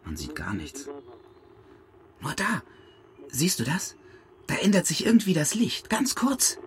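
Lively, probing amateur investigator. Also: male voice, fairly high pitch, unhurried, slight background noise. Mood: curious. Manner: probing, excitable. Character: eager, probing camp leader investigating with friend. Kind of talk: German radio crime drama acting.

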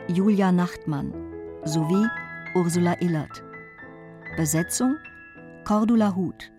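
A woman reads scripted radio drama credits as an announcer. Her voice is fairly low and slow. Instrumental music plays clearly behind her. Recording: studio announcement over music.

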